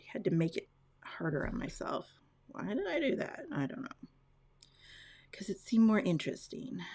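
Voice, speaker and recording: Quiet and at a fairly high pitch, a woman speaks at a moderate pace with long, frequent pauses, vocal fry, a dark, mellow tone and very wide pitch swings. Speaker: illustrator and art instructor. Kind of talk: live drawing tutorial. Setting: live stream. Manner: quiet, thinking pauses.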